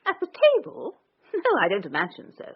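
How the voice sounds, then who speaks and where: A woman's voice: medium pitch, huge pitch swings, fairly quick, breathy edge, muffled recording, full character voice. An actor playing a prim, arch lady who speaks in an affected manner in a radio drama.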